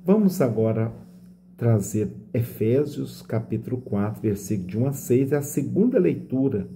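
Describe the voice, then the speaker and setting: A middle-aged man from Brazil, a priest, reading scripture aloud and explaining it in a slow, reflective way, often asking "né?". He speaks into a phone camera held close in a small indoor room. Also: medium pitch, animated, vocal fry, mellow, slight background noise. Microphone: phone camera at close range.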